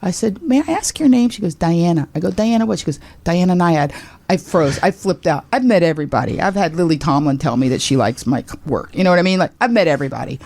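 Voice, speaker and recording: A woman in her sixties who hosts a radio talk show is a guest here, sharing a personal story at a quick pace. She exclaims loudly and acts out quotes with big jumps in pitch, and the recording is dry.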